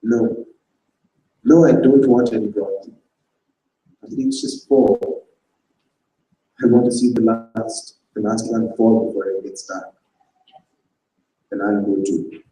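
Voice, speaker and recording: A man voicing a gravely ill young woman who speaks listlessly and with resignation, recorded from a distance in a roomy hall. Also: on the low side, expressive, slow, pauses often, mellow, voice pushed down. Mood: despairing. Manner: listless, resigned, near a whisper.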